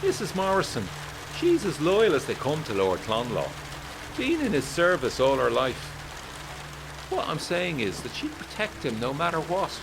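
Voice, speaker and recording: A man voicing a gruff, scornful Irish local with a blunt manner and raised voice in a gothic 1920s audio drama. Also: fairly high pitch, sing-song, normal speed, pitched above the performer's own voice. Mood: insistent. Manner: blunt, raised voice over the rain. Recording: heavy rain noise behind.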